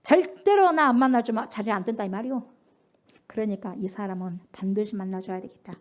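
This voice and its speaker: A woman pastor preaching a sermon at a prayer meeting, emphatic, swinging from loud calls to hushed whispers. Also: mid-range voice, fairly quick. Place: church sanctuary.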